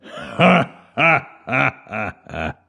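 A man voicing a slow, gravelly ancient serpent god. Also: exaggerated voice. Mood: calm menace. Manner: calm, rumbling, drawn-out. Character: towering ancient male serpent god, calm menace. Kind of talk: audiobook character voice.

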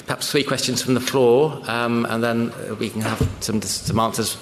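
Male moderator, easygoing, mid-pitched, long hall reverb. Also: steady tone, normal speed. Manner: easygoing, brief prompts. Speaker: event chair. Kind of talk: moderating audience questions. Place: lecture hall. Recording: echoey hall with faint noise.

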